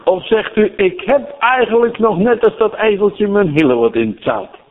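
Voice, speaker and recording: A man's voice: high voice, expressive, normal speed. An older man preaching a sermon, asking the listeners questions and repeating phrases as he swells up on key words. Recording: tinny phone-like recording.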